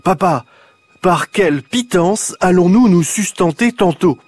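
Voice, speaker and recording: A man's voice: takes it slowly, slightly rough, exaggerated voice. A man voicing a curious, inventive little girl, eager and full of questions in a storybook reading. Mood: excited. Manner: eager, questioning, bursts of high excitement.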